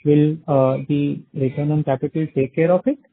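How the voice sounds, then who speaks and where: A man, an analyst putting questions haltingly on a conference call. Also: a little high, fairly even intonation. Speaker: investment analyst asking questions. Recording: dull noisy phone connection.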